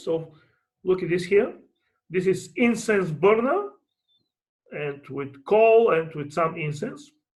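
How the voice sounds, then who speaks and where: With a Bulgarian accent and a high pitch, a man talks at a very slow pace with lively intonation. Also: long, frequent pauses. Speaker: astrologer. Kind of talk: lecture.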